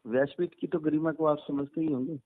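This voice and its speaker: A Hindu religious teacher argues on the phone, insistent and lecturing, saying the same things again and again. His voice sits on the high side, with fairly even intonation and a slightly quick pace. The call recording sounds tinny, as phone lines do.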